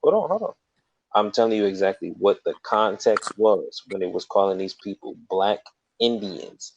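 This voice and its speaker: A man's voice: on the low side, normal speed, darkish tone, slight background noise. A man in an informal debate, talking insistently and often repeating phrases to hold the floor. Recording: dull, lo-fi audio.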